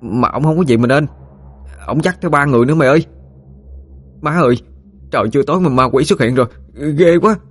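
A man's voice: on the high side, fairly even intonation, fast, few pauses, husky, pitched above the performer's own voice. A man voicing a stuttering, frightened village boy in an audio ghost story. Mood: scared. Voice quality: stammering.

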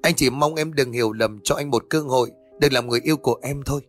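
A man's voice: mid-range voice, quick pace, soft background music, natural voice. A man as an earnest young suitor. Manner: earnest, tender.

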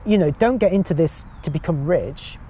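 Man, high tenor voice, chatty podcast guest, self-mocking, light street noise behind. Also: lively intonation, normal speed, warm tone. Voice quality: high-pitched voice. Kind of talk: casual chat.

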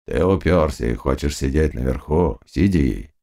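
A man voicing a grim cossack who gives a slow, menacing warning. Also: very deep voice, lively intonation, vocal fry, dark tone, voice pushed down, full character voice.

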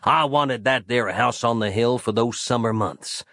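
A man voicing a menacing, folksy frontier sheriff who speaks in a slow, scornful drawl. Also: mid-range voice, creaky, sharp tone, no echo, studio quality. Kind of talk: audio drama character voice.

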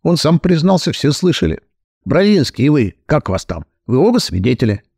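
A man's voice: on the high side, sing-song, normal speed, creaky, darkish tone, slightly rough, dry recording, studio quality, voice pushed up, full character voice. A man voicing a spiteful lame young woman. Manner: gleeful, mocking.

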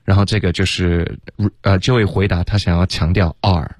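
A man teaching English pronunciation on a radio lesson in a relaxed way, often dropping "OK" and "right" between explanations and slowly sounding out words. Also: sits low, no room sound.

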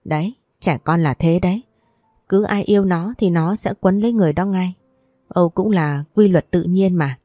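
A woman reading a story aloud in a steady, even narration. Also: fairly low pitch, normal speed, no room sound, studio quality, soft background music.

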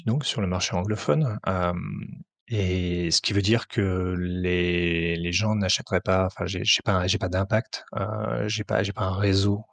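A man's voice: sits low, vocal fry, no echo. A man answering interview questions about his tabletop game work, hesitant, with frequent fillers and restarts. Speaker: tabletop RPG author, translator and publisher.

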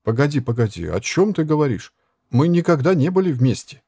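Man as a weary herbalist, firm, sceptical, mellow voice, dry close sound. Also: a little high, very animated, fairly quick, breathy edge, no echo, pitched above the performer's own voice, full character voice. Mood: stern. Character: weary wandering male herbalist, gruff.

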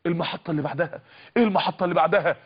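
A man's voice: a little high, very fast, breathy edge, highs cut off. A man with an Egyptian accent telling a sermon story with dramatic narration. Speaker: preacher.

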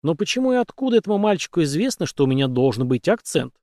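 A man's voice: on the high side, very animated, fast, mellow, no room sound, clean studio sound. A man reading an audiobook, voicing a wary young male newcomer thinking to himself. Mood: wondering.

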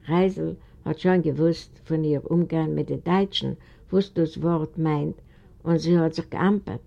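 A woman from Eastern Europe narrates a storybook in a low, gravelly voice. Her reading is steady and deliberate. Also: highs cut off. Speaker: audiobook reader.

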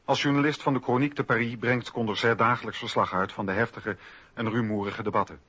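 A man's voice: mid-range voice, fairly even intonation, fast talker, sharp tone, husky. A man narrating a scripted historical radio documentary in a factual, declarative way. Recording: dull radio recording, faint noise.

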